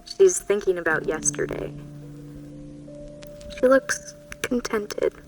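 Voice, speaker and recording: A haunted traveler confiding her dread to a diary. She speaks slowly and deliberately in an ordinary mid-range pitch, with brooding, literary pauses, in an audio drama with music clearly behind her. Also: expressive, rough recording. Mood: wistful, eerie. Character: haunted woman passenger recording dread in her diary aboard a doomed train. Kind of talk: scripted audio drama monologue.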